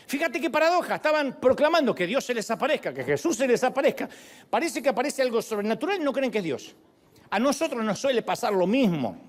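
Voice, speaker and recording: Animated man preaching a sermon. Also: high voice. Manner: animated, joking, acts out voices.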